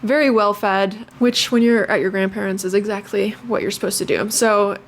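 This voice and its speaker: Young woman vlogging, chatty, lots of ums and restarts, mid pitch, bit of background hiss. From Lithuania. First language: Lithuanian. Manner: chatty, halting with many fillers and restarts. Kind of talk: casual talk to camera.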